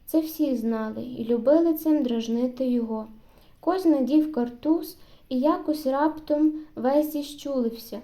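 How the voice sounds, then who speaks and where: Woman narrator with a dark mellow voice. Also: sits high. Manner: measured storytelling, steady phrasing. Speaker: audiobook narrator. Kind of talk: scripted literary narration.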